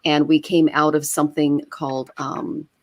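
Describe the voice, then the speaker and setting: Brief: low-pitched woman, tarot reader, reflective, lots of fillers. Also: little pitch movement, moderate pace, a little mellow. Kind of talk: live online tarot reading.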